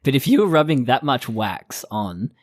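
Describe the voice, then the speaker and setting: A woman's voice: very deep voice, big pitch swings, moderate pace, dry recording, clean studio sound. A woman co-hosting a podcast, chatting casually about an anime episode and dropping jokey asides. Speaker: podcast co-host. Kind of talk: casual chat recapping an anime.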